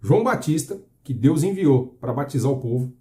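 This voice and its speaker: A man's voice: medium pitch, animated, normal speed, dark tone. A Brazilian man preaching earnestly to camera, asking the listener questions and reading scripture with emphasis. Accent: Brazilian Portuguese.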